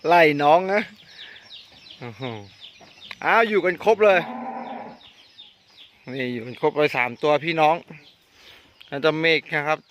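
A man with a fairly high voice narrates his herd outdoors, chatting eagerly and casually. Faint birds and chickens are heard behind him, recorded on a handheld camera on the farm. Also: measured pace, pauses often, slight background noise. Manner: chatty, excited, laughs often at the calves. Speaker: farm vlogger. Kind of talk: casual commentary while filming cattle. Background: birds and chickens, faint outdoor ambience.

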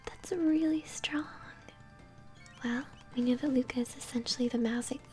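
A young woman whispering gently as she hosts an ASMR let's-play, commenting on a game. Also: high-pitched, steady tone, normal speed, faint music behind. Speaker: host, gamer. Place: small room at home, indoors.

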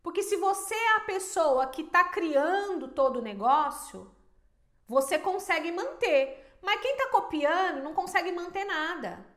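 A Brazilian woman giving emphatic, animated business advice to viewers, with rhetorical questions. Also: very high voice, a little slow, echoey room. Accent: Brazilian Portuguese. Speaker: small business owner and teacher.

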